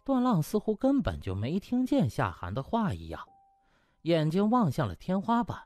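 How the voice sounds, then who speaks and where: A man's voice: on the high side, huge pitch swings, moderate pace, darkish tone, no echo, faint music behind. A man narrating a comic novel in a dramatic, theatrical storytelling style. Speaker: audiobook narrator.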